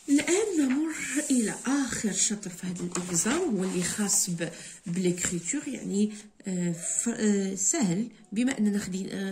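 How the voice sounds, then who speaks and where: Moroccan lady teacher going over french exam stuff, slow careful examples then quick explaining, mellow voice. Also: mid-range voice. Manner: switches between slow dictation-like French and quick Darija explanations. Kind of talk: exam review lesson.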